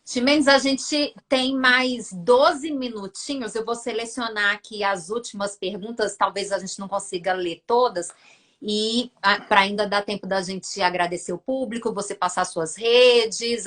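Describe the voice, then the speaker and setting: A woman hosting a live online interview, calmly managing the time and asking long questions. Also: mid-range voice. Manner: measured, poses long questions and handles the time. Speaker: host of the live.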